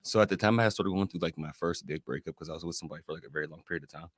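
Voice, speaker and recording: A male singer with a deep voice, chatting as a guest in a quick, easygoing and modest way. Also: slightly rough, dry recording, studio quality. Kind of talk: casual interview chat.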